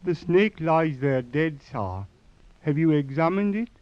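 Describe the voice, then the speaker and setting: An actor playing a calm, sly South Asian snake charmer, formal and measured, in old-time radio drama. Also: male voice, a little high, no echo. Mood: calm, innocent. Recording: dull vintage radio recording.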